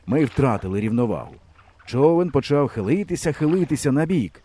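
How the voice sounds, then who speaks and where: A man narrating a storybook in a lively, expressive way. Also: mid-range voice, fairly quick. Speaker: audiobook narrator. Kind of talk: storybook reading.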